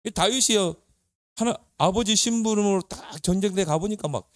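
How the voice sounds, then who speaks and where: A man who is a pastor, giving a lively, conversational sermon to young people and telling Bible stories with questions to his listeners. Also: high voice, no echo, studio quality. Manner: lively storytelling, acting out Bible characters. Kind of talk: sermon to youth.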